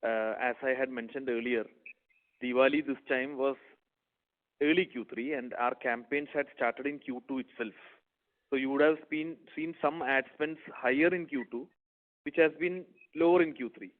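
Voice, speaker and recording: A man's voice: medium pitch, fairly even intonation, moderate pace. A man with an Indian accent speaking as a company executive, answering investor questions on an earnings conference call. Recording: narrow phone-like conference line.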